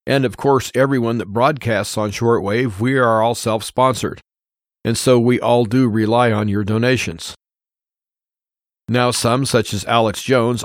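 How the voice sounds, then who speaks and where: A man's voice: medium pitch, no echo, clean studio sound. An American man hosting a radio show, talking informally and giving his opinions in an earnest, plain-spoken way, often repeating points for emphasis.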